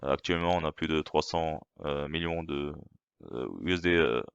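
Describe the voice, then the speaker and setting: The man has a smooth bass voice at normal speed, with no echo and a lo-fi sound. A crypto channel host and non-native speaker whose first language isn't French, he casually explains while translating a video, hesitating and restarting often with many fillers.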